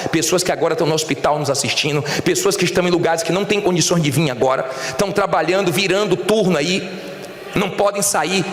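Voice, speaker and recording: A man with a Brazilian Portuguese accent preaching a sermon in a large church, swinging from quiet asides to rising, shouted appeals and questioning the congregation. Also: on the high side. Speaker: bishop preaching. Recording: echoey church hall, long reverb.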